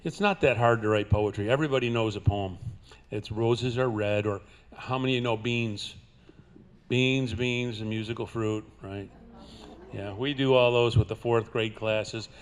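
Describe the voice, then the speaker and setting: An older man with a folksy cowboy twang, performing as a cowboy poet for a live audience, with drawn-out dramatic phrasing. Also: on the low side, fairly even intonation. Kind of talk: live cowboy poetry recital with folksy banter. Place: live before an audience at a senior center.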